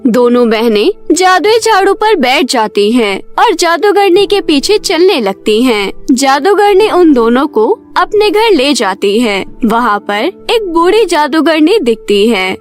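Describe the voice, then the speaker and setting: A woman's voice: sits high, big pitch swings, unhurried, few pauses, soft background music. A woman giving scripted narration for a children's cartoon story.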